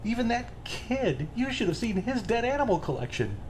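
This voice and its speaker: A breezy, self-righteous serial killer played by an actor in an audio drama. The voice is casual and chatty, swinging widely in pitch, over faint background noise. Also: sing-song, normal speed, darkish tone, lightly acted. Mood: breezy, boastful. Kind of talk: full-cast audio drama acting.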